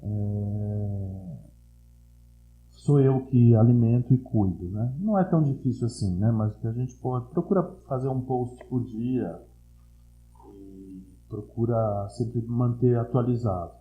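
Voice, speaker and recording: A man in his sixties from Brazil with an Italian-influenced São Paulo accent, chatting casually as an interview guest and telling stories in a slangy, animated way. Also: medium pitch, slow, phone-quality sound, soft background music. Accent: Italian-influenced São Paulo Portuguese. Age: 60s. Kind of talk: casual chat. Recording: roomy, echoey sound.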